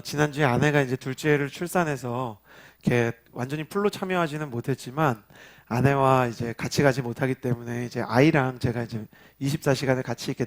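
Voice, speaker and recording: A youth pastor in his thirties preaches to a church gathering, his voice pitched in the ordinary middle range for a man. He talks in a chatty, storytelling way, drawing the congregation in with call-and-response. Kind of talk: sermon. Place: church worship service.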